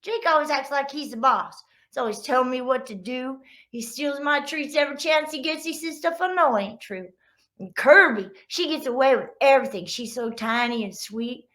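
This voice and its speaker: A put-upon middle-brother dog from a storybook, played by a woman reading aloud, complains jealously in a folksy way. The voice is bright and fairly high. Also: normal speed. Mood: aggrieved. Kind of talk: children's storybook read-aloud.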